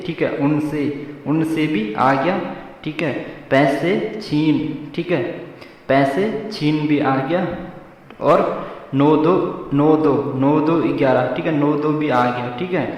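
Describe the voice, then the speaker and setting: A man teaching an exam-prep lesson built on memory tricks, repeating each step and checking in with the class again and again. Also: a little high. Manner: repetitive, drilling, says "theek hai" constantly. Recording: very echoey room, mic far off.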